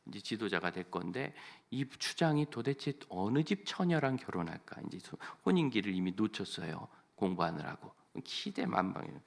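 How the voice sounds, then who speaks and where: A man preaching a Sunday sermon as pastor, lively and animated, acting out little everyday exchanges. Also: fairly low pitch, normal speed, creaky, few pauses.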